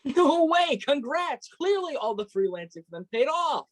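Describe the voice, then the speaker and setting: A woman's voice: high-pitched, big pitch swings, normal speed. A woman playing a supportive, self-deprecating young male journalist and best friend in a staged reading of a play. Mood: thrilled.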